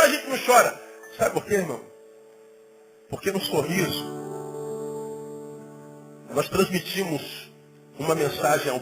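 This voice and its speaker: A middle-aged man, a pastor, preaching a sermon in a conversational, animated way with emphatic rising peaks, music in the background. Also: fairly high pitch, poor audio. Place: church.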